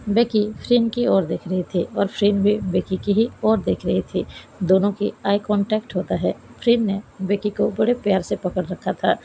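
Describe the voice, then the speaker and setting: A woman narrates a romance story at a steady, even pace, with a gravelly texture. Her tone is mellow and dark. A faint hiss sits behind the voice. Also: mid-range voice, poor audio. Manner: steady, plain retelling with dialogue read aloud.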